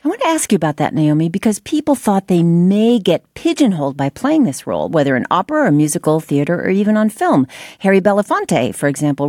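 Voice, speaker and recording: A woman's voice: lowish voice, dark tone, no echo, clean studio sound. A woman hosting a radio interview, asking engaged, leading questions. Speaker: radio host.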